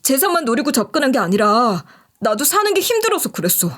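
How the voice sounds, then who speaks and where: A woman's voice: high-pitched, very animated, fast talker, fairly bright tone, full character voice. A woman voicing a desperate young man who pleads tearfully with his ex-fiancée in a story narration. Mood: begging. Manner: begging, whiny and desperate.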